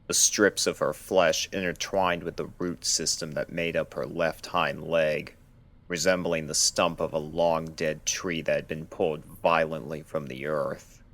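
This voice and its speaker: Very deep, gravelly male horror narrator. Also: little pitch movement, measured pace, fairly bright tone. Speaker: narrator of fan fiction readings. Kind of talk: scripted narration of a horror story.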